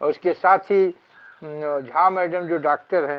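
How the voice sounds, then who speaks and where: This man's pitch sits high. His intonation stays fairly even. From eastern Uttar Pradesh, Ghazipur. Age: 60s. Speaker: physical education teacher, program participant. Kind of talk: testimony. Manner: halting.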